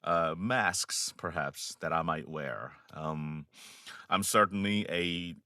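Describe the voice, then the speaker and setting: A man with a Korean accent, a voice actor giving measured, thoughtful interview answers with frequent pauses and restarts. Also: low-pitched, sharp tone, no room sound, studio quality. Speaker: voice actor guest.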